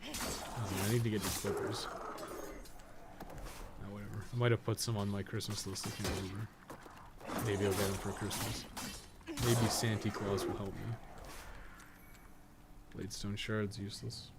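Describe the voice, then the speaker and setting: A man's voice: lowish voice, level tone, unhurried, long pauses. A young man giving casual live gaming commentary, thinking aloud in a rambling, mildly sweary way. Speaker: game streamer. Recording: noticeable background noise.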